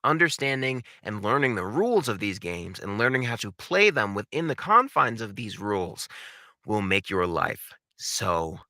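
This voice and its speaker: A man coaching in an informal instructional style, animated and emphatic, speaking directly to his viewers. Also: lowish voice, moderate pace, dry recording, studio quality. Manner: animated, emphatic, uses rhetorical questions and repetition. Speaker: voice acting coach and video host. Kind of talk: instructional talk to camera.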